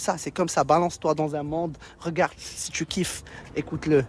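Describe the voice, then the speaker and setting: A man's plain, everyday voice, fairly high-pitched, with fairly even intonation and a moderate pace. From Morocco, Casablanca. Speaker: rapper. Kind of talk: interview.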